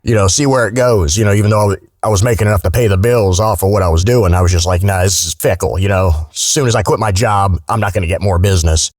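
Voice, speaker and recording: A man's voice: sits low, fast talker, hardly any pauses, dry recording. Blunt American man chatting, close dry sound. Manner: blunt, salty, informal. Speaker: guest, video game voice actor. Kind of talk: casual interview chat.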